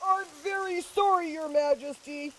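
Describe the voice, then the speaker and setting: A woman voicing a sick, fretful male wizard in a puppet show, speaking slowly and apologetically. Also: very high voice, rough recording. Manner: slow, apologetic, earnest.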